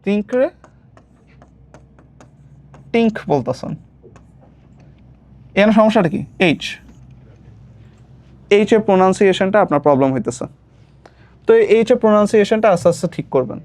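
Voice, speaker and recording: A young man with a high voice gives a casual speaking lesson as a tutor, his lively intonation and brisk delivery broken by long pauses. His tone is darkish and the recording dry. He slips English phrases into his explanations and repeats words as he goes.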